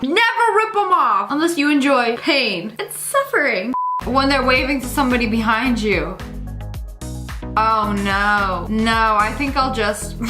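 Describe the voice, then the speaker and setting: A woman's voice: sits high, pushed and bright, roomy sound. A woman hosting, chatting casually and playfully as she reacts to clips, with slangy asides. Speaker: host reacting to relatable clips.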